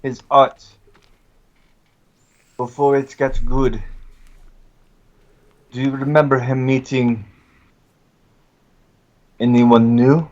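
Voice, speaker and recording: A man playing a courtly adventurer in a tabletop game, questioning someone in stilted formal phrases with deliberate pauses. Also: mid-range voice, little pitch movement, a little mellow. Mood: probing, formal. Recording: dull audio, music behind.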